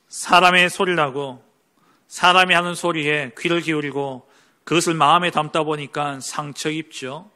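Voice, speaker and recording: Man preaching, bright forceful tone, slightly high voice, rhetorical questions, loud then hushed. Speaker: pastor. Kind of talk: Sunday sermon.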